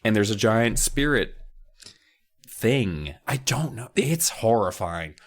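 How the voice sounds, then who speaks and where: A man's voice: on the low side, lively intonation, slow pace. A man co-hosting a podcast in casual comic chat, prone to swearing and exaggerated exasperation. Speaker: podcast co-host. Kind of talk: casual comic chat, critiquing book covers.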